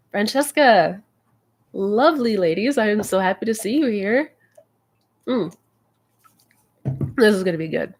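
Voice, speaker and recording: A woman with a mid-range, slightly mellow voice hosts a live Q&A stream as a coach, chatting casually. She sounds a bit stuffy and nasal from a cold, and her manner is friendly and chatty, full of fillers.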